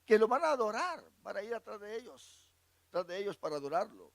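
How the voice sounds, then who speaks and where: Man preaching, high voice, jumps all over, loud bursts then quiet bits, dry close sound. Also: sing-song, a little fast, no room sound. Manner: calls the listeners brother and asks them questions. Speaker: pastor. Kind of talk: sermon.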